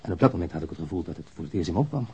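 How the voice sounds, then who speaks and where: An actor playing a working-class man confessing to a killing in a radio drama, halting, frank and matter-of-fact. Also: low voice, animated, mellow. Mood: hesitant, frank. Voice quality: gravelly, husky. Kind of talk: naturalistic radio drama acting. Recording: dull, muffled lo-fi sound.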